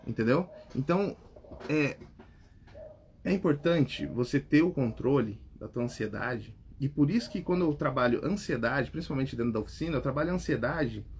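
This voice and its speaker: A man's voice: mid-range voice, expressive, normal speed, darkish tone, slight background noise. A man with a Brazilian accent, a public speaking coach answering viewer comments in a casual podcast, talking straight to the viewer and checking in with "right?" after his points. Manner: talks straight to the viewer, tags lines with "tá?" and "né?".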